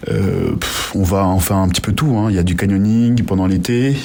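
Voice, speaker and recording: A man answering informal interview questions as a youth centre worker, in a hesitant, halting way with long pauses. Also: deep voice, gravelly, a little mellow.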